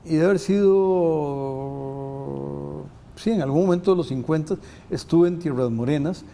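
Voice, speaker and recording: An older man from Costa Rica hosts a university interview and speaks very slowly. His delivery halts often and is packed with filler sounds. His voice is mellow and dark. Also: a little high, a little hiss or hum. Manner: halting, many filler sounds. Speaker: host.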